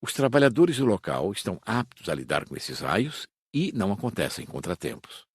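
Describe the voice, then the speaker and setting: A Brazilian man voicing an assured spirit guide in an audiobook, matter-of-fact and slightly husky. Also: on the low side, very animated, moderate pace, no room sound, studio quality. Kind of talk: audiobook dialogue reading.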